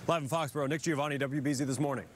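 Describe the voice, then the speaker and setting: A man's voice: fairly high pitch, steady tone, very fast, a little hiss or hum. A man with an American accent giving a live television sports report from the field.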